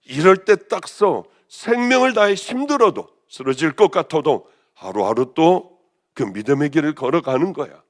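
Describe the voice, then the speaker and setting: A woman pastor with a hoarse voice, preaching a sermon with passion, rising to loud exclamations and then dropping to hushed, almost whispered lines. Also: low-pitched, big pitch swings, normal speed. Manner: impassioned, swinging between raised exclamations and hushed near-whispers.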